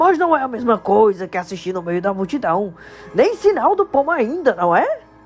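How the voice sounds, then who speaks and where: A put-on character voice with a fairly high pitch makes very wide pitch swings at a moderate pace. Faint music plays in the background. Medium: read story. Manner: warm, hearty.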